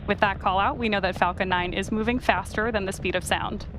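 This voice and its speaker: A woman's voice: mid-range voice, steady tone, brisk, background noise. A woman hosting a live launch webcast, explaining things step by step as commentary.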